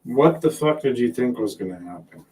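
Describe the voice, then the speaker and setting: A man's voice: medium pitch, animated, normal speed, darkish tone, far from the mic. A man co-hosting a casual movie-review chat, laid-back and joking, with casual swearing. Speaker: podcast co-host.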